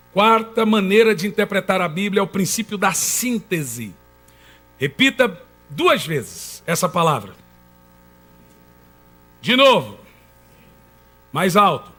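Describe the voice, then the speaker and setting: A man's voice: sits high, sharp tone. A man preaching a sermon to a congregation, emphatic and calling on the listeners to answer back. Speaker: pastor. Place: church in front of a congregation.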